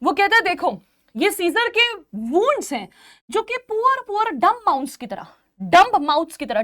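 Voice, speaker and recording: A woman's voice: very high voice, a bit bright, dry recording, studio quality. A young woman teaching a literature lesson for exam prep, explaining each line and often repeating phrases to check that students follow.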